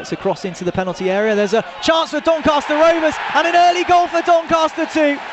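A man at a fairly quick pace, dry sound without echo, noticeable noise in the background. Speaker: radio commentator. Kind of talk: live football commentary. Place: stadium.

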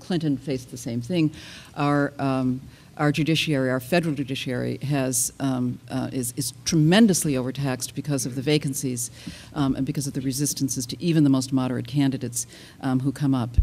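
The voice moves at a fairly quick pace with a dark, mellow tone and fairly even intonation. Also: woman, very deep, low pitch for a woman. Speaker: law professor. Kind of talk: panel discussion. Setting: stage with audience. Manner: halting. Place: hall. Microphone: podium.

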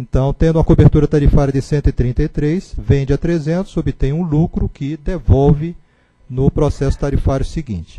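A man's somewhat breathy, dark, mellow voice with a Brazilian accent, fairly high in pitch, fairly slow, with ordinary pitch variation. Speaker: regulatory agency technical staff. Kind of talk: public regulatory hearing. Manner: halting.

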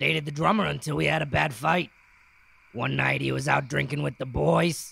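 A man puts on a cartoonish character voice at medium pitch. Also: moderate pace.

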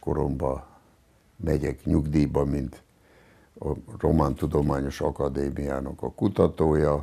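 A man's very deep, low voice with a dark, mellow tone, vocal fry, fairly even intonation and a very slow pace against a quiet background. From Transylvania, Romania; Romania. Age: 80s+. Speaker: cultural historian; interviewee. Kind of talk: interview monologue. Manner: formal. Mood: calm, reflective. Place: home room.

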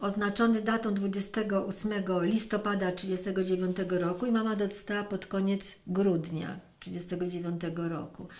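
A woman's fairly quick, monotone delivery with flat intonation. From Poland. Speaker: daughter of a Katyn massacre victim, witness. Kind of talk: oral history interview answer. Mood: calm, reflective recollection. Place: office.

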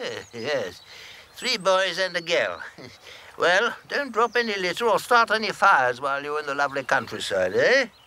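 Raising and projecting his voice, a man speaks at a moderate pace with very wide pitch swings, in a dry sound with no echo. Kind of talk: scripted film dialogue. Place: open country.

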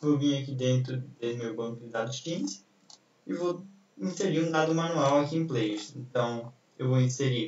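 Fairly slow speech from a man at medium pitch, with ordinary pitch variation and noticeable background noise. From Brazil. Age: 20s. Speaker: web developer teaching programming. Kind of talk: online programming class.

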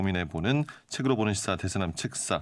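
A man with an ordinary speaking voice at a fairly quick pace. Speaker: radio current affairs host. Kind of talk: radio current affairs show. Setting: radio studio. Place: studio.

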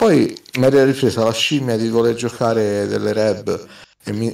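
Here a man speaks in a normal speaking voice. His pitch is medium. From Livorno, Tuscany. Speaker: Magic: The Gathering streamer. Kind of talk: casual live-stream gameplay chat. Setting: live stream with webcam.

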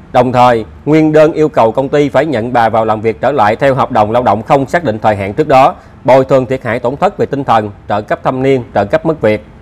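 A man at a medium pitch and a very fast pace, with noticeable background noise. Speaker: lawyer vlogger. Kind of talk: reading a news article aloud; legal commentary.

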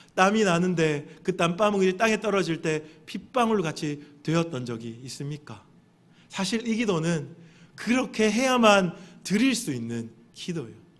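Audible room echo surrounds a man speaking at a fairly slow pace in a high pitch with very wide pitch swings. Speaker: pastor. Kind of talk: sermon. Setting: church.

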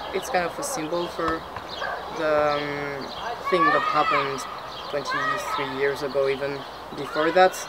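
Loud background noise runs throughout. A woman talks at a fairly slow pace. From France. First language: French. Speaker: street artist. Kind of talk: interview. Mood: warm, relaxed, animated. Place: street.

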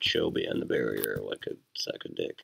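The speech moves at a moderate pace. Noticeable background noise sits behind it. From United States. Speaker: gaming YouTuber. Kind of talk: let's play gaming commentary. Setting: poor-quality home microphone. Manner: crude, excitable, joking.

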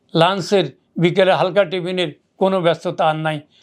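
The man's voice is high in pitch, set against a quiet background. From Bangladesh, Lakshmipur district. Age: 70s. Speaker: Islamic scholar. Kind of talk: religious Q&A interview. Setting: studio.

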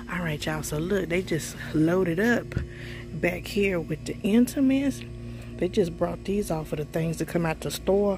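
Clear music plays behind a woman who speaks at a moderate pace, with a dry sound with no echo. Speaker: shopping vlogger. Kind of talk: casual vlog chat. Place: shop. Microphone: phone near.

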